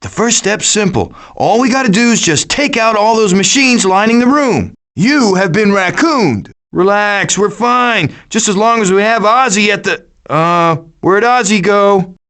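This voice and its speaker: Wisecracking video game raccoon, high male voice, very lively intonation, quippy, sarcastic, cocky. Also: unhurried, hardly any pauses. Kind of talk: animated video game voice acting.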